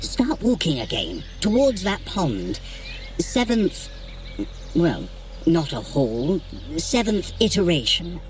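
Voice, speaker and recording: An actress playing a haughty, mischievous trickster god in an audio adventure, theatrical, arch and wry as they guide a runner. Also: female voice, lowish voice, very animated, slow pace, slight background noise. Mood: puzzled, musing. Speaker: voice actor guiding a running workout. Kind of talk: in-character audio adventure narration.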